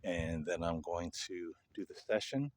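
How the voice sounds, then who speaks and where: Deep-voiced man, halting delivery. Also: lively intonation, no echo. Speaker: paranormal vlog host. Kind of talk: casual unscripted talk to camera. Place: parking lot at night.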